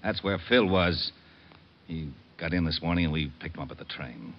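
A man's voice: low voice, normal speed. An American man acting a blunt, weary homicide lieutenant in an old radio crime drama. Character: gruff, weary male police homicide lieutenant. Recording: dull old radio recording.

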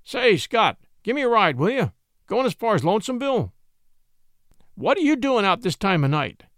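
Guy playing a pushy country deputy, folksy and nosy, pitched up and lively, storybook style. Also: normal speed, dry recording, studio quality. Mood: insistent. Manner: folksy, insistent questioning. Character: brash, nosy rural deputy hunting a fugitive.

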